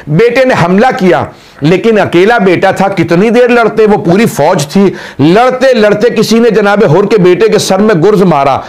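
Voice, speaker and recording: A man recounting a Muharram martyrdom story as a dramatic mourning sermon, building into a wailing chant. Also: high-pitched. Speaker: religious orator. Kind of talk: Muharram majlis narration.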